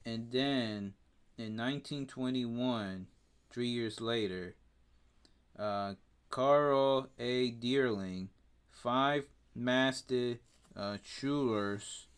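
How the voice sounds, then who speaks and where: Slow, halting man with a Spanish accent. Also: medium pitch, clean tone. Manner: halting reading, stumbles over names with frequent fillers. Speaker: podcast co-host. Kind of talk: casual podcast chat, reading out facts.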